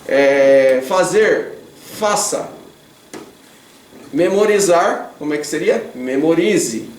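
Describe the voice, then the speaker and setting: A man's voice: on the high side, lively intonation, slow pace. Brazilian man teaching, echoey far-off sound. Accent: Brazilian Portuguese. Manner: patient and chatty, asks the class questions and tags sentences with a questioning "né?"; corrects himself mid-sentence while writing on the board. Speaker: Japanese teacher. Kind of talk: explaining grammar in an informal online class. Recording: echoey room, voice away from the mic, faint background hum.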